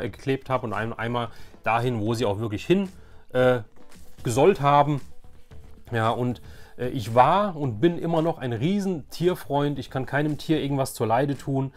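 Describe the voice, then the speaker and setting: Guy in his 40s chatting about his old collection, kinda rambly and keen, bit of music under it. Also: medium pitch. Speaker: YouTube host. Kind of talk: casual nostalgic vlog chat about collecting.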